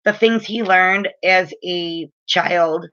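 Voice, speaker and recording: A woman's voice: fairly low pitch, slow, bright, forceful tone, highs cut off. A woman in her late thirties, a spiritual reader, giving frank, chatty advice to camera with lots of filler words. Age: late 30s. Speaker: spiritual reader and energy healer.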